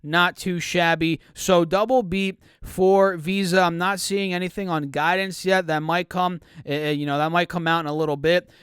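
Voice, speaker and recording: Male host, higher pitch, clean crisp voice on a dry close mic, easygoing stock-talk chatter. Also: fairly even intonation, a bit bright, no room sound. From United States. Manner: chatty, reads earnings numbers with quick asides. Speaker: stock market YouTuber. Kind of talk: casual market commentary.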